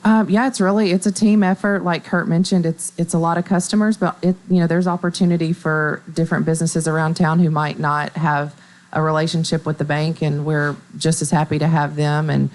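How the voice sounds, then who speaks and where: A woman in her thirties from Middle Tennessee, a bank marketing staffer talking on local radio in a measured, upbeat way with fillers. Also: sits low, little pitch movement, a little mellow. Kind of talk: radio interview.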